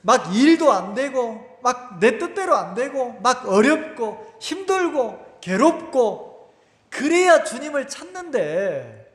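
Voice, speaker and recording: A male pastor preaching a sermon and putting rhetorical questions to his congregation. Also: extremely high pitch. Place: church sanctuary. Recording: echoey church hall with long reverb.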